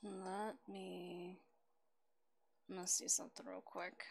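A woman's voice: lowish voice, level tone, takes it slowly, vocal fry, a little hiss or hum. A woman giving casual, reactive live commentary as she streams a video game.

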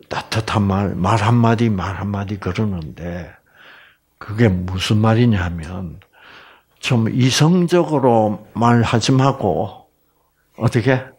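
A man's voice: lowish voice, slightly rough. A man from the Gyeongsang region with its accent, giving a humorous Bible lecture and playfully asking the audience for replies. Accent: Gyeongsang Korean. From Gyeongsang region, Korea. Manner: animated, self-mocking, playfully asks the audience for replies.

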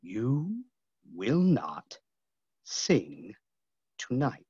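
An actor playing a menacing opera ghost in a staged reading, slow, deliberate, commanding and sly. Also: male voice, medium pitch, wildly swooping pitch, darkish tone, slightly rough, dry recording, full character voice. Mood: hypnotic command. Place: remote video call. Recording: dull, dry video-call audio.

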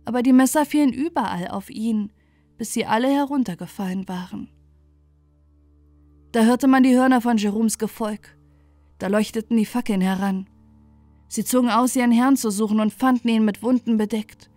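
A woman's voice: a little high, moderate pace, a little mellow, no room sound. A woman narrating a scripted bedtime fairy tale as a storyteller. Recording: music bed under the voice.

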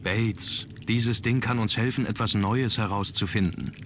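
A man playing a determined young aristocrat in an adventure game, speaking in a measured, formal way. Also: fairly low pitch, steady tone, a bit bright, slight background noise. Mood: insistent, suspicious. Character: determined young aristocratic man investigating his grandfather's death. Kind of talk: scripted adventure game dialogue.

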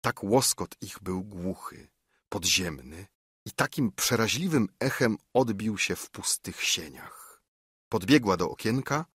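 Male audiobook narrator, low husky voice, unhurried, dry close studio sound. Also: no echo. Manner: measured, expressive storytelling. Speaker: audiobook reader. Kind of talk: scripted narration of a classic novella.

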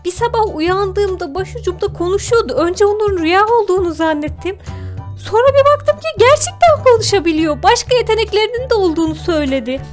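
A woman with a very high, girlish pitch hosts a game role-play. She speaks in a theatrical, exclamatory way, with faint music behind her. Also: expressive, fairly quick. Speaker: gaming video host. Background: background music.

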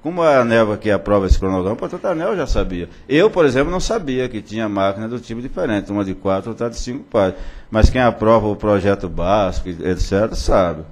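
A man's voice: on the low side, lively intonation, fast talker. A man with a Brazilian Portuguese accent, a regulatory board director arguing his case informally and insistently in a public meeting. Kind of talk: deliberative meeting discussion.

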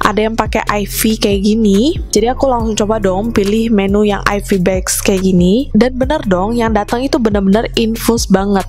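A woman's voice: medium pitch, darkish tone. A young woman narrating a casual restaurant review vlog in a chatty way, often addressing viewers as guys. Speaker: vlogger.

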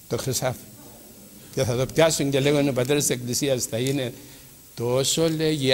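Older priest, fervent sermon delivery, long hall echo. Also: male voice, mid-range voice, gravelly. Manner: fervent preaching, rhetorical questions. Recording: hall reverb with faint background noise.

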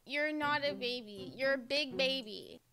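A woman's voice: sits high, a little slow, a crowd in the background. A young woman hosting a game video, chatting playfully in role-play with giggly, exaggerated reactions. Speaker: gaming video host. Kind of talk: casual role-play chat while gaming.

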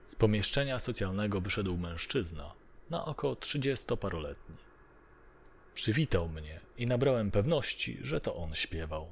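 A man's voice: fairly low pitch, expressive, moderate pace, slight background noise. A man narrating a first-person horror story from a script. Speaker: narrator of audio horror stories.

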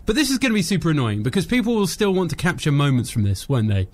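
A man's voice: a little high, huge pitch swings, fast talker. A young man hosting afternoon music radio with upbeat DJ links, speaking close to a studio microphone. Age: young adult. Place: small padded radio studio. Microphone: close studio microphone on boom arm. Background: music bed.

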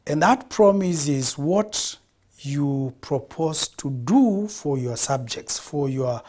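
A middle-aged Kenyan man, founder of a production studio, is a guest on a TV interview on a studio set. His voice is fairly high, animated, and darkish in tone, and he takes it slowly, speaking expansively and repeating phrases for emphasis.

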